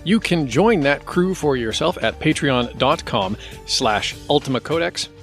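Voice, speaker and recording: A man's voice: on the high side, lively intonation, unhurried, fairly bright tone, faint music behind. A man hosting a podcast, reading out a scripted announcement. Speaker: podcast host.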